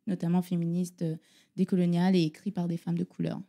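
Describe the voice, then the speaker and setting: A woman's voice: lowish voice, level tone, fast talker, vocal fry, dark tone. A woman guest on a podcast, explaining her views at length and hesitating often. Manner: explanatory, hesitant with many fillers. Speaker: guest, activist collective member. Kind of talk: interview answers.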